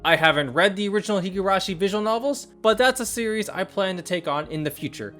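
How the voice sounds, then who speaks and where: A video host narrating a scripted review in a measured, first-person commentary style. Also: medium pitch, a bit bright. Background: background music.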